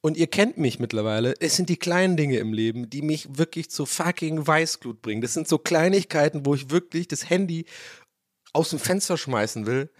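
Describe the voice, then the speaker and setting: A young man, slightly hoarse, hosting his own podcast from a room at home and ranting in a casual, swearing way. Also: fairly high pitch, animated, normal speed. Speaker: podcast host. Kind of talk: casual solo podcast monologue. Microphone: own studio mic.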